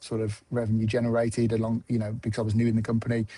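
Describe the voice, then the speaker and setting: A man speaks at a very fast pace. His dark, mellow tone is somewhat breathy. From English West Midlands (Dudley, near Birmingham). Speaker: recruitment business founder. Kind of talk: interview. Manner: energetic; conversational with fillers.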